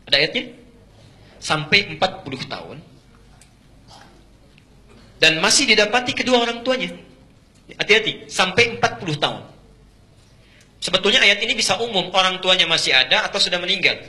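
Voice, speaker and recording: Middle-aged male preacher, bright slightly high voice, dramatic sermon delivery with loud-to-soft swings. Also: animated, normal speed, pauses often.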